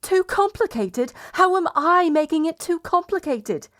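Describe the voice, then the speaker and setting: A woman's voice: very high-pitched, animated, unhurried, fairly bright tone, full character voice. A woman playing a proud, blunt betrothed princess in a medieval romance audio roleplay, sardonic and exasperated in manner. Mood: taunting, heated. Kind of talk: romance audio roleplay acting, addressed to listener.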